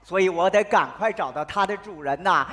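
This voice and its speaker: A woman's voice: lowish voice, brisk. A woman performing in a stage comedy sketch, bold and teasing, calling out in a sing-song way. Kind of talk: northeastern comic sketch. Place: stage before a live audience.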